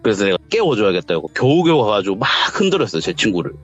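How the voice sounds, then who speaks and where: A man's voice: big pitch swings, racing, slightly rough. Guy telling a ghost story, voice jumps all over, kinda muffled lo-fi audio. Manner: acts out quoted lines, shouting in a raised pitch. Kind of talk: casual storytelling. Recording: dull lo-fi sound with faint music.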